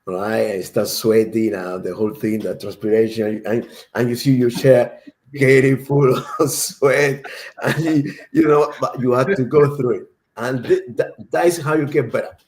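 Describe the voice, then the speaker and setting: A man's voice: medium pitch, fairly even intonation, moderate pace, a little mellow. A man from Cuba with a Cuban Spanish accent, a native Spanish speaker, chatting emphatically and repeating words as he speaks. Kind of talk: casual chat.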